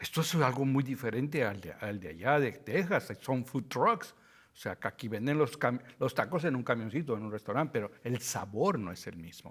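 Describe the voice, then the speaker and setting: On a very clean recording with a silent background, a man with a Mexico City accent talks at a moderate pace in an animated tone, with lively intonation and big swings in loudness. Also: medium pitch for a man. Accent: Mexican Spanish (Mexico City). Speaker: pastor and Bible teacher. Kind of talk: Bible study teaching. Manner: animated, conversational.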